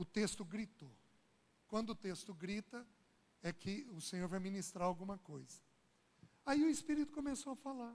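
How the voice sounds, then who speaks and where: This man's voice is high-pitched, with lively intonation and a moderate pace. He leaves long, frequent pauses. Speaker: guest preacher. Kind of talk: sermon.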